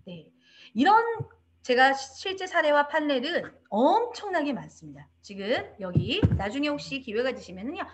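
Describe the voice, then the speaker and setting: A woman giving an online training lecture to childcare staff, in an animated instructive way, now and then acting out quoted speech. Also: on the high side. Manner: animated instructive delivery, acts out quoted parents and teachers. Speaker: lecturer on child abuse prevention. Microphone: video call.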